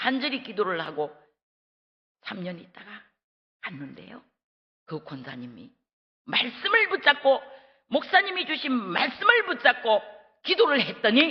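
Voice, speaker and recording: The speech moves at a fairly slow pace with long, frequent pauses. Pitch swings very widely and loudness shifts in big swings. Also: woman. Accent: Gyeongsang. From South Korea, Gyeongsang region. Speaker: pastor. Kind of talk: sermon.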